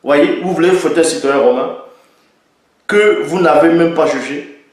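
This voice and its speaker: A man's voice: fairly high pitch, normal speed. A man with a slightly raised voice delivers an emphatic opinion monologue, drawing on Bible passages and repeating key lines for stress. His voice rings out in a heavily echoing room. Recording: very echoey room.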